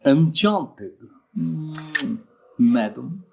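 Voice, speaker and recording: A woman playing a courtly, formal foreign gentleman in an audio drama, speaking stilted with great courtesy. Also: deep voice, very animated, drawn-out words, creaky, faint music behind, full character voice. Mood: courteous.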